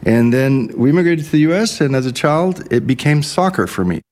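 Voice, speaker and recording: An American man speaking casually, relaxed and hesitant with fillers. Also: a little high, fairly quick.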